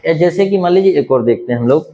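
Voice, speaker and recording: A man whose first language is Hindi, teaching a spoken English lesson and explaining slowly with many rhetorical questions. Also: fairly high pitch, lively intonation, warm tone, muffled recording.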